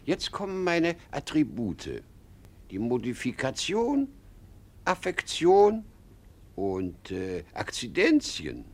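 An actor playing a pompous, muddled older king in a German radio play, fussy and halting. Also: mid-range voice, huge pitch swings, heavily acted. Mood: flustered.

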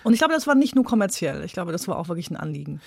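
A woman's voice: on the low side, big pitch swings, rapid-fire, gravelly, slightly rough, dry recording, studio quality. A woman speaking as an expert guest, explaining things emphatically in a spontaneous discussion. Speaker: expert guest in a radio interview.

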